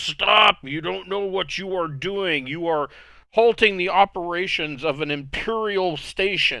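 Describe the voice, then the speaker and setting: A man adopts a put-on character voice, high in pitch and fairly slow in pace. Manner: commanding.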